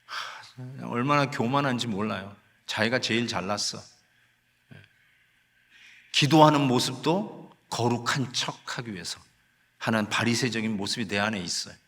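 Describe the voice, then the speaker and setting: A man's voice: medium pitch, measured pace, pauses often, a bit bright. A male pastor preaching a conversational sermon, slipping in English phrases and acting out short quoted pleas. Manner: acts out quoted sighs and pleas. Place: church sanctuary. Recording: long hall reverb in a sanctuary.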